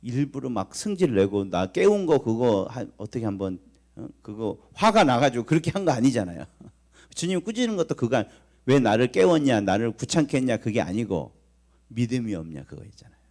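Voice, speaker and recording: A man preaching a Sunday sermon as pastor, his voice rising and falling in wide, animated swings. He tells the story with acted-out lines and keeps turning to the congregation with questions. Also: mid-range voice, a little fast. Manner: talks directly to the congregation, asking questions.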